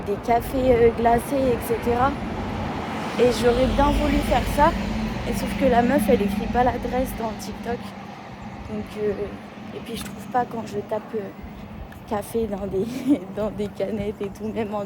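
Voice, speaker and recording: A young woman with a slightly high voice talks casually into her phone while walking outdoors. She rambles and thinks aloud in a loose, chatty way. Traffic and street noise run clearly under her voice. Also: steady tone, moderate pace. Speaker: vlogger. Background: urban street ambience with vehicles.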